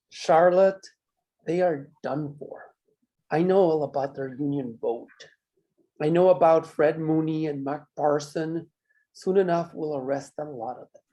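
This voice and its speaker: A man acting a menacing mine boss in a drama table read, speaking in measured, condescending threats. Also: fairly high pitch, mellow, poor audio. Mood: cold, threatening. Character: menacing, controlling male mine boss, coolly cruel.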